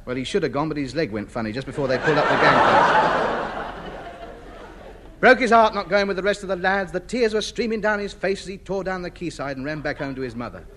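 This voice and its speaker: In a noisy old 1950s radio sitcom broadcast, the comedy lead plays a pompous, self-important middle-aged man who hoards junk. His voice is on the high side and a little fast, lightly acted as he blusters grandiloquently.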